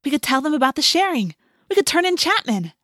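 A woman reader acts out a headstrong teenage girl from a storybook. She is feisty and emphatic, with a raised, high voice and a snappy way of putting things, recorded very dry. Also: fairly quick, no room sound, natural voice. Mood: fired up.

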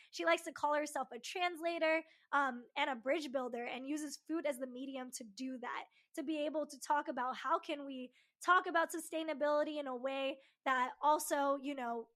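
A woman's voice: high-pitched, a bit bright. A woman hosting a podcast interview, upbeat and eager, with frequent "you know" fillers. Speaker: podcast host.

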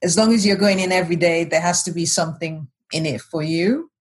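A woman's voice: on the low side, fairly quick, slightly rough. A woman co-hosting a podcast, chatting casually in a reflective way with many hedges. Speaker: podcast co-host. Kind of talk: casual chat.

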